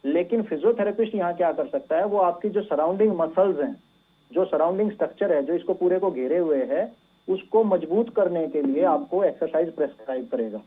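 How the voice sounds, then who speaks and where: High-pitched male doctor, thin phone-like sound. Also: expressive, a little fast, slightly rough. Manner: patient, instructive, mixes English medical terms into speech. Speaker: doctor, physiotherapy expert guest. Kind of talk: explanatory medical advice on a live call-in show. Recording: thin phone-like band-limited line.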